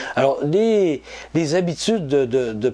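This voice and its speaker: Using a Quebec accent, a man with a dark, mellow tone and fairly high pitch swings very widely up and down. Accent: Québécois French. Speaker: poet and publisher. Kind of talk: interview. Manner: halting, many fillers.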